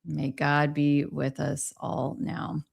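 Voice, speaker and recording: A woman hosts a casual livestream. Her voice sits a little low for a woman, and she speaks very slowly and conversationally. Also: flat delivery, gravelly, breathy edge. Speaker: livestream host.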